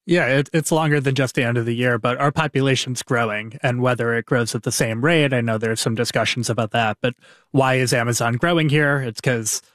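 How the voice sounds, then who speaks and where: A man who reports on business and technology, speaking on a radio panel in a halting way, with fillers and restarts. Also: mid-range voice, fairly even intonation, a bit bright, no echo, clean studio sound. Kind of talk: casual panel talk.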